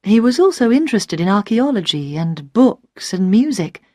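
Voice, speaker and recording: A woman reading a story aloud for English learners, clear and deliberate. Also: medium pitch, sing-song, a little mellow, no echo, studio quality. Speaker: narrator.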